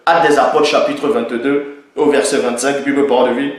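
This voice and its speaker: A man's voice: medium pitch, fairly even intonation, fairly quick. Emphatic man in a very echoey room. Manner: emphatic, repeats points for stress. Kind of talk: opinion monologue, citing the Bible.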